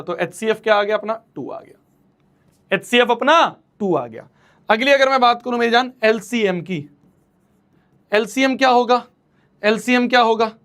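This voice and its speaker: A man's voice: high-pitched, a bit bright. A young man teaching a maths class in a playful, teasing way, repeating his questions to the students. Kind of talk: online class lecture.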